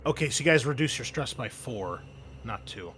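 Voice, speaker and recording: A man's voice: medium pitch, lively intonation, normal speed, pushed and bright, slight background noise. A man running a tabletop game as game master, improvising narration in an informal way.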